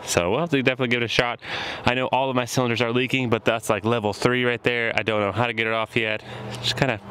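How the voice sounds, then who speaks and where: A man in his thirties, a shop mechanic host, talks casually through a repair job at an outdoor junkyard, thinking aloud as he works in an easygoing how-to style. His medium-pitched voice is level, quick, and a bit bright, with outdoor noise in the background.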